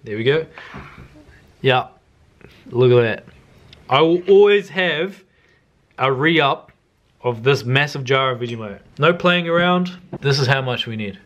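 A man's voice: medium pitch, expressive, unhurried, long pauses, fairly bright tone. A young man giving a casual, slangy cooking demonstration in a laid-back way. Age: young adult. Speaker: cooking vlogger. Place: home kitchen, indoors.

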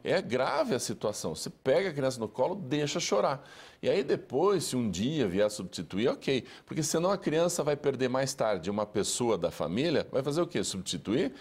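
A man, an educator answering interview questions in a measured, lecturing way. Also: medium pitch, sing-song, darkish tone, slightly rough. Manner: measured, lecturing, lists steps.

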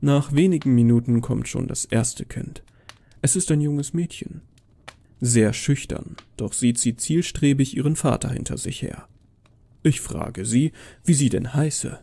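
Mellow, creaky-voiced male storyteller. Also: mid-range voice, measured pace. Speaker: horror story narrator. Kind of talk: scripted first-person story narration.

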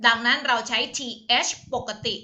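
Thai lady teacher on a video call, high bright voice, slow and patient, stretches out english words for little kids. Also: fairly even intonation, poor audio. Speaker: primary school English teacher. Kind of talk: online class explaining in Thai with English words.

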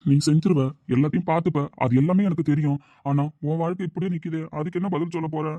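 A man's voice: a little high, steady tone, fast talker, mellow, no echo, lightly acted. A man playing an older father weighed down by guilt over his daughter, talking in an earnest, heavy-hearted way. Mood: sorrowful. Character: grieving aging father, guilt-ridden and tender. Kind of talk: amateur family drama acting. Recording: dull lo-fi sound.

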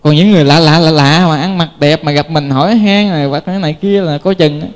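High-voiced southern vietnamese monk preaching. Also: male voice, fast talker. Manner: folksy, joking, addresses listeners directly. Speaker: Buddhist monk. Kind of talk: sermon with humorous stories. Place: temple hall. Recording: reverberant hall.

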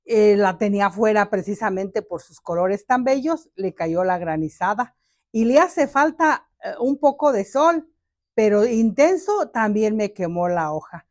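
A woman's voice: mid-range voice, animated, unhurried, dry recording, studio quality. An older woman, hosting a casual gardening vlog, chatty and joking, with many fillers and a fond tone toward her plants. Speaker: gardening channel host. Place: home garden outdoors.

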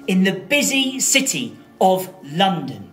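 Expressive, unhurried woman storyteller. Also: medium pitch, faint music behind. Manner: dramatic, deliberate phrasing. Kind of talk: theatrical storytelling for children.

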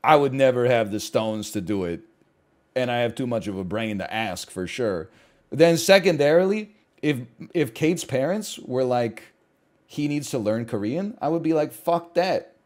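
A man in his thirties chatting while he plays, at a middling pitch. He riffs in an animated way, jumping between loud bursts and muttered asides, heard close on a headset mic in a small home room. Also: normal speed. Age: 30s. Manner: animated riffing, swings loud and quiet for bits. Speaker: streamer. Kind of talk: casual gaming stream chat.

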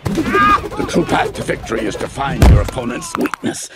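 A man voicing a stern, clipped old red panda martial arts master in an animated film. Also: mid-range voice, normal speed, heavy background noise. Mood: fierce, instructive. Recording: film soundtrack with prominent music.

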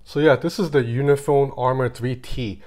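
A man's voice: mid-range voice, fairly even intonation, moderate pace, a little mellow. Casual man reviewing a gadget. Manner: conversational, informal. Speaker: tech reviewer. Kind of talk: casual hands-on phone review.

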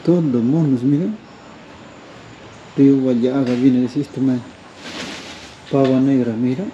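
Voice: medium pitch, steady tone, takes it slowly, mellow, slight background noise. A travel vlogger with a Peruvian Spanish accent, chatting casually outdoors and cooing fondly at animals. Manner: coos and exclaims fondly at animals. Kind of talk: casual travel vlog commentary. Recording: dull lo-fi with faint outdoor ambience.

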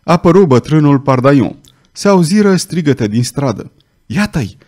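A man narrating an audiobook with a dramatic, expressive reading. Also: on the high side.

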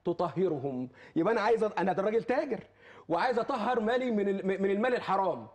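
A man's voice: high-pitched, animated, very fast, a little mellow. A man with an Egyptian Arabic accent, preaching with fervor as a charity guest on a TV talk show, quoting scripture and swearing oaths. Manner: impassioned, quotes scripture, repeats oaths.

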